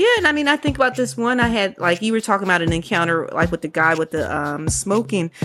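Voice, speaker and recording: Through noticeable background noise, a woman talks very fast in a fairly low pitch with very wide pitch swings and hardly any pauses. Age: 40s. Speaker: podcast co-host. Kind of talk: casual chat.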